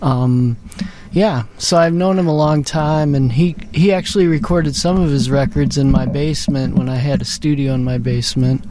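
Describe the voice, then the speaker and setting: Relaxed rambling man, mellow voice. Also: medium pitch, moderate pace, a little hiss or hum. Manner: relaxed, rambling, many ums. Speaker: music professor and multi-instrumentalist. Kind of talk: casual radio interview talk. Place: radio studio.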